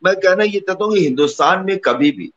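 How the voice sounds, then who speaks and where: A middle-aged man speaking as a panelist in a debate, talking quickly and piling up one example after another. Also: high voice, lively intonation, fairly bright tone. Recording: muffled lo-fi audio.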